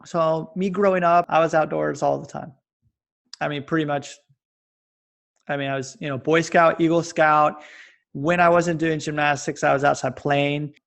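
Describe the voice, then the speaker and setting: A Kansas man in his forties chats casually as a podcast guest, rambling loosely and calling it babbling himself. His fairly high voice stays steady at a moderate pace, with vocal fry and a slightly bright edge.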